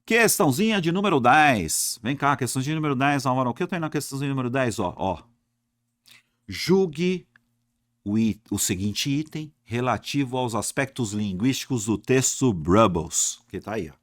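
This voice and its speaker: A man's voice: medium pitch, normal speed, no room sound, clean studio sound. A man teaching an exam-prep grammar lesson, speaking straight to his students and asking himself questions. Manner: lively, talks to class directly, asks and answers himself.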